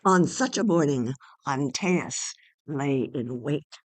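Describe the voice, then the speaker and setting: A woman reading a play aloud as a deliberate, dramatic narrator, including stage directions. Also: low voice, expressive. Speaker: playwright reading own play.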